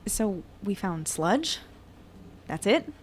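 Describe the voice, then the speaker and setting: Woman acting defiant protective investigator lady, firm, mid pitched voice, audio drama dialogue. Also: sing-song, takes it slowly, a little hiss or hum. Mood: determined. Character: Avra, defiant, protective female monster investigator.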